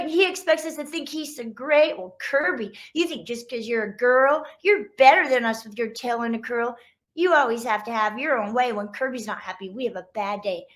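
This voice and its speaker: A woman's voice: high voice, fairly bright tone. A woman voicing young, squabbling puppy siblings in a children's storybook, in childlike, sing-song rhyme. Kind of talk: children's picture-book read-aloud.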